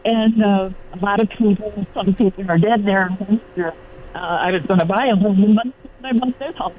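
A woman's voice: mid-range voice, normal speed, slight background noise. A woman in her nineties calling a radio show, rambling and worried, her voice garbled as if underwater over a bad phone line. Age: 90s. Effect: garbled underwater-sounding phone line. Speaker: radio call-in listener. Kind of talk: casual phone call.

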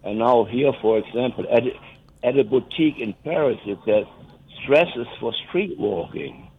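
An older man from West Germany, a native German speaker with a German accent, calling in to a radio show and rambling in a halting way, chuckling at his own jokes. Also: mid-range voice, lively intonation, a little hiss or hum. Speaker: caller. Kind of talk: phoning in to a radio talk show. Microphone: telephone. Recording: tinny phone line.

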